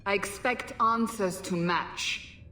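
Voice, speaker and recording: A woman's voice: medium pitch, slow pace, bright, forceful tone. A stern woman warrior in a fantasy game. She is matter-of-fact and demanding, heard at a distance in an echoing space with faint ambience. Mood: stern, puzzled. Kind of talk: video game voice acting. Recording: echoey, distant, faint background noise.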